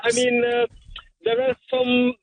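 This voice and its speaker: A man's voice: extremely high pitch, monotone, takes it slowly. A man in his fifties from Tunisia, calling in to a radio show and speaking hesitantly with many fillers and restarts. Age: 50s. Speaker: caller. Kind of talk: phone-in call to a radio show. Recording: tinny phone line.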